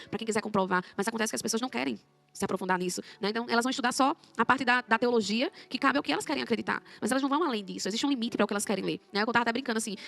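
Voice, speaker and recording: A young woman tells her personal testimony at a rapid clip, voicing her own past words as she goes. Her voice sits a little high and carries a gravelly fry. Faint music plays quietly behind her. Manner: fast, animated storytelling, acting out her own quoted words. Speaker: guest giving a conversion testimony.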